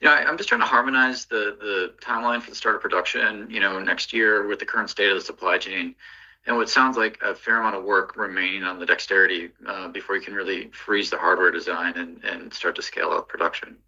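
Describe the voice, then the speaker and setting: A man with a husky, rough-edged voice politely putting a prepared question as an analyst calling into an earnings call. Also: low voice, fairly even intonation, quick pace, sharp tone. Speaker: financial analyst caller. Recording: dull lo-fi phone-in audio.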